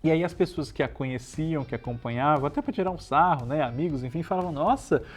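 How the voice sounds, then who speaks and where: A man's voice: fairly high pitch, fast, slightly rough, faint music behind. A Brazilian man presenting in a conversational, chatty way, telling biographical stories and often adding little checking tags. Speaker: presenter of a show on television history.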